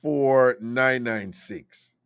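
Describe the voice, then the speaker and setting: A man's voice: medium pitch, very slow, a bit bright, clear, resonant tone, no room sound, clean studio sound. A Jamaican man hosting a call-in radio talk show, opinionated and slipping into patois.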